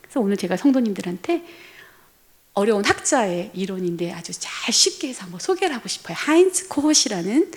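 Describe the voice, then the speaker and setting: A woman's voice: medium pitch, a little fast. A woman preacher giving a sermon in a church, telling stories animatedly and speaking to the congregation. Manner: animated storytelling with acted quotes, addressing the congregation.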